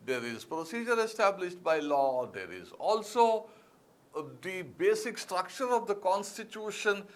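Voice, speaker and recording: Lecturing as a civil services exam-prep teacher, a man with an Indian English accent stresses and repeats key words, filling gaps with frequent fillers. His voice is high-pitched and a bit bright.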